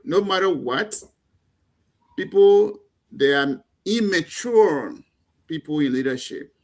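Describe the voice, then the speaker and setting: A man's voice: medium pitch, vocal fry. A man with a Liberian accent, speaking as a panel guest in a heated political talk show, impassioned and emphatic with stumbling restarts.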